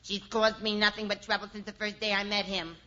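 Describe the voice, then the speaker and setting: A man's voice: high-pitched, level tone, a little fast. A man playing a melodramatic lovesick young woman in a radio comedy sketch, sobbing and overwrought in hammy soap-opera style. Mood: mock sobbing. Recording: muffled 1950s radio transcription with loud hiss.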